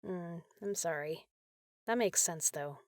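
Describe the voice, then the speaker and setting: A woman playing a caring, teasing big sister in an intimate comfort roleplay, talking softly and casually. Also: fairly low pitch, slow, dry recording, clean studio sound. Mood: soothing, gentle. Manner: soft, soothing, casual, playful.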